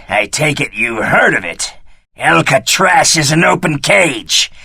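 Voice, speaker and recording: High, raspy, jittery prisoner. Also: male voice, pushed and bright, dry recording, clean studio sound, full character voice. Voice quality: raspy, creaky. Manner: stammering, nervous, slangy. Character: jittery, cowardly, wheedling male prisoner, cynical and eager. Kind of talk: video game character acting.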